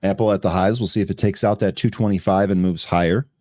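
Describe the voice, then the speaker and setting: A man co-hosting a live trading show, calling out tickers and chart levels in brisk, quick succession. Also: deep voice, fairly even intonation, warm tone, no echo, clean studio sound. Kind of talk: live market commentary.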